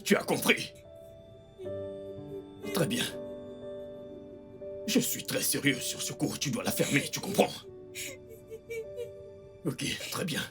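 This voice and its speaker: A man's voice: mid-range voice, sing-song, takes it slowly, long pauses, music in the background. An actor playing a callous young man who brushes off and threatens a girl. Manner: dismissive, coarse, threatening. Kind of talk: dubbed film drama.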